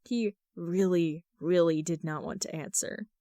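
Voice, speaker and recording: A woman's voice: on the low side, unhurried, dark tone, dry recording. Woman reading fan fiction, dry close sound. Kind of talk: scripted narration, amateur audiobook reading of texts and story.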